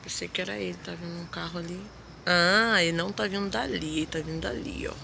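A woman in her thirties from Brazil, vlogging casually at home on her phone and chatting warmly to her viewers. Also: on the low side, steady tone, fast, creaky, slight background noise. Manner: chatty, gushing, addresses viewers as "gente". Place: house porch and kitchen at dusk. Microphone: handheld phone at arm's length.

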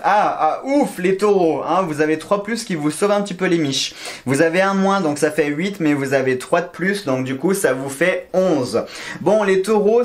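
A man giving a casual weekly horoscope reading, joking around and counting scores aloud. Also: a little high. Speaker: astrology and tarot reader.

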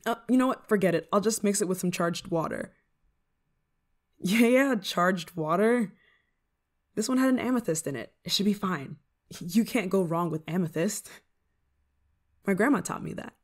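A woman's voice: mid-range voice, lively intonation, moderate pace, long pauses, close to an everyday voice. A woman playing an eager, affectionate, scatterbrained novice witch in an ASMR roleplay, coaxing the listener in a giggly manner. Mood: chatty, flustered. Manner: giggly, coaxing, hesitant asides. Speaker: roleplay voice performer.

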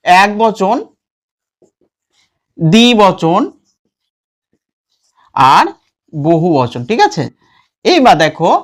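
A man teaching a lesson. He patiently recites verb forms over and over in a slow chant and keeps checking that students follow. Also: high voice. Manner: checks in with listeners often. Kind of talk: classroom lesson with recitation drills.

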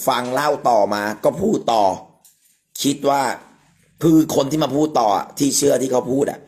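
A man's voice: medium pitch, moderate pace, darkish tone. A man hosting a live stream, explaining the details of an amulet coin in an emphatic, explanatory way with frequent polite particles. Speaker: amulet expert host.

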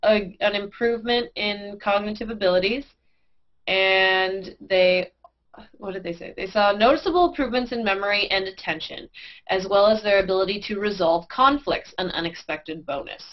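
A woman's voice: medium pitch, moderate pace. Playful woman on a headset call. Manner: laughing, playful banter. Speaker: science show co-host. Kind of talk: casual chat on a live webcast. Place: bedroom at home, indoors. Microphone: headset mic, video call. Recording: dull lo-fi webcast audio.

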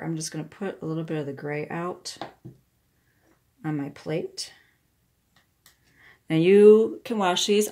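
A woman's voice: on the low side, a little mellow, slight background noise. A woman giving a casual hands-on craft demonstration, talking herself through each step. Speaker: craft tutorial host, independent product demonstrator. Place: indoors at a wooden craft table.

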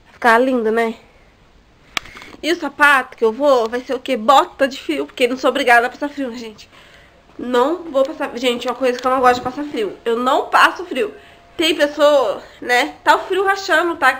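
A woman's voice: high voice, normal speed, a bit bright. A young adult woman vlogging in casual chat to camera, chatty and full of asides and tag questions to her viewers.

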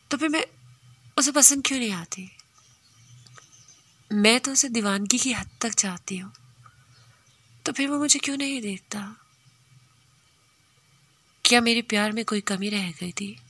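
A woman reading the part of a lovesick, jealous young woman who questions herself before a mirror in a hushed, half-whispered voice. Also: on the high side, husky, heavily acted.

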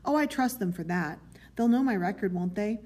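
A woman's voice: medium pitch, fairly quick, warm tone, lightly acted. A woman voicing an eager, servile man in a novel, miserable yet proud, with a pleading, chummy, self-justifying manner. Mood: anxious pleading.

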